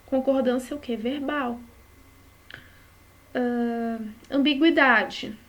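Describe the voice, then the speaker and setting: A woman's voice: high-pitched, fairly even intonation, slow, fairly bright tone. A woman with a Brazilian Portuguese accent teaching a study lesson, explaining patiently and often checking in with short tag questions.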